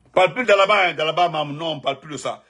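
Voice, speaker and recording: A man with a Guinean French accent giving spontaneous political commentary, emphatic and repetitive, jumping from loud outbursts to muttered asides. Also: a little high, racing.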